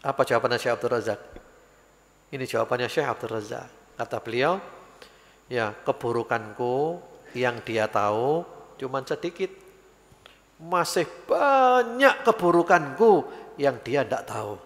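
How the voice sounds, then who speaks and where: Gravelly East Javanese preacher in mosque reverb. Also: male voice, mid-range voice, animated, unhurried, pauses often. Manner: storytelling, acts out quoted voices, mixes Javanese into Indonesian. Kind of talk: sermon. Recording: live broadcast with long reverb in a mosque.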